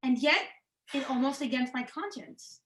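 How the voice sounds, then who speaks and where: A woman's voice: high voice, moderate pace, fairly bright tone, slight background noise. A woman playing a proud, guarded young nobleman bound by honor, reading Shakespearean verse. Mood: conflicted.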